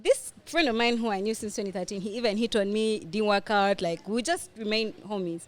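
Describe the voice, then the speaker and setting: A woman with a Ugandan accent speaking in casual podcast chat, explaining things in an animated way and acting out her examples. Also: medium pitch, brisk. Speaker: guest, media personality and podcaster.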